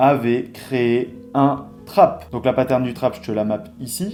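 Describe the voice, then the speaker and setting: A man's voice with a dark, mellow tone. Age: 20s. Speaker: trader and trading coach. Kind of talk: tutorial.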